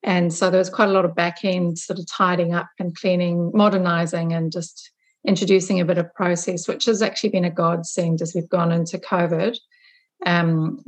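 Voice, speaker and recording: A middle-aged woman from Zimbabwe with a fairly low voice speaks as a guest in an interview. She is a business owner giving conversational answers about herself and her work. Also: poor audio.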